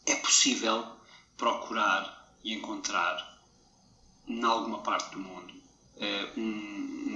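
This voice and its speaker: A middle-aged man from Portugal answers an interviewer in a measured, reflective way, pausing and searching for words. His voice is low and strikingly bright. It sits in an echoey room with faint noise behind. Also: lo-fi sound. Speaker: interviewee, conductor living abroad.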